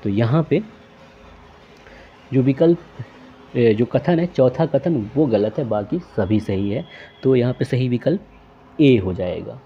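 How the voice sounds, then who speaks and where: A man steps through exam questions as a tutor, reading each question and its options aloud before naming the correct answer. His voice sits at an ordinary middle pitch. The recording is slightly dull and lo-fi, with faint background hiss. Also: expressive, takes it slowly, long pauses. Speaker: quiz tutor.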